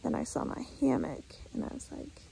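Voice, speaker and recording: A travel vlogger, a woman in her thirties, narrates casually in a chatty, upbeat way, speaking fairly quickly and sometimes dropping to a soft whisper. She's recorded on a close camera both inside a minivan and outdoors, with a little hiss or hum.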